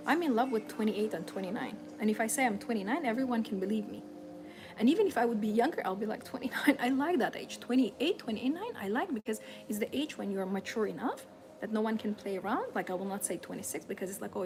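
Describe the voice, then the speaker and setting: A woman with a slightly high voice gives a motivational seminar, speaking earnestly and repeating key points as she coaches. Her English has non-native phrasing. Noticeable background noise runs under the recording. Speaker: femininity and lifestyle coach.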